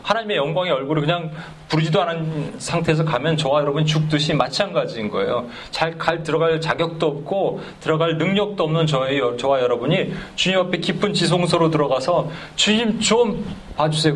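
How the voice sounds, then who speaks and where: Animated preaching man, slightly high voice. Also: brisk, slight background noise, low-quality recording. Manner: animated, acts out dialogues in changing voices; chuckles while telling stories. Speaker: pastor. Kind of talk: sermon.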